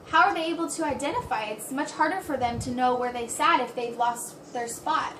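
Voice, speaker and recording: A woman voice-interpreting an informal presentation, speaking a little haltingly and rephrasing as she goes. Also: high voice. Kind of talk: spoken interpretation of a signed talk, informal presentation. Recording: roomy echo, distant mic, background hiss.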